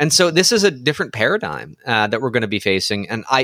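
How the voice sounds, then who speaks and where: A fairly high-pitched man with a Canadian accent and a bright, sharp tone, fairly quick in pace, in a dry, close sound with no echo. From Ontario, Canada (Sudbury). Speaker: podcast host. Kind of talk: casual chat.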